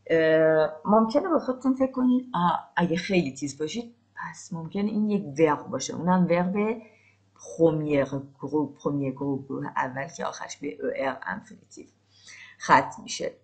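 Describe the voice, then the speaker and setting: A woman tutor with a somewhat low voice runs a French lesson. She draws out each French phrase slowly and carefully, then switches to quick explanations. Now and then she spells a word out one letter at a time. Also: lively intonation. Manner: slow, drawn-out French examples between quick Persian explanations. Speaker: French teacher. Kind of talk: language lesson.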